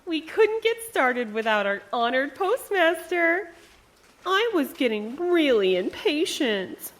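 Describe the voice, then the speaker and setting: A woman's voice: sits high, sing-song, slow, fairly bright tone, full character voice. A woman playing a sly cult acolyte in an audio drama, theatrical and condescending with a mock-sweet manner. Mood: gleeful, mock-sweet. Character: sly, syrupy female cult acolyte, falsely devoted.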